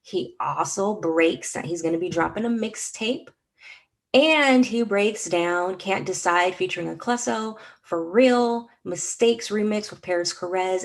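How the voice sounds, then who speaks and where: A woman's voice: fairly low pitch, gravelly. A woman hosting an interview podcast, upbeat and friendly, asking questions in a casual way. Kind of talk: scripted intro, then casual interview.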